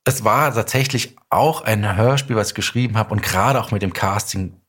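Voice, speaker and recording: Man, middle-aged, lowish pitch, casual interview talk, explanatory storytelling guest. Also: moderate pace, a bit bright, breathy edge. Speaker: podcast guest, audio drama writer and director. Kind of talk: casual conversational interview, explaining and telling anecdotes.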